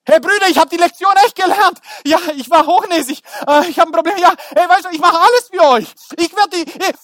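A man's voice: very high-pitched, a little fast, fairly bright tone, dry recording, clean studio sound, pitched above the performer's own voice. A man voicing young Joseph, who pleads and apologizes to his brothers as he calls up to them. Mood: pleading.

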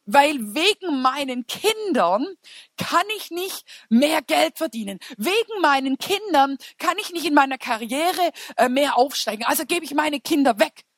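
A woman preacher giving an informal, humorous sermon in an animated, colloquial storytelling manner. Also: high voice, measured pace, no echo.

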